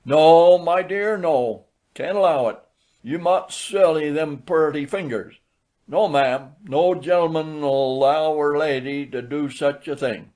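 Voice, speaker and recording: A man's voice: fairly high pitch, slow, darkish tone, voice pushed up. A man voicing a genial, tipsy old church elder from the rural American South, folksy and emphatic in a storybook reading. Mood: gallant, jovial. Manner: folksy, emphatic, dialect speech.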